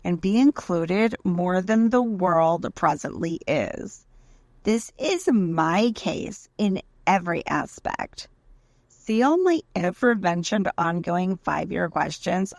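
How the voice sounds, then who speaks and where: Slow, creaky-voiced woman reading dramatically. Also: lowish voice, sing-song, no room sound. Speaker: narrator reading a letter aloud.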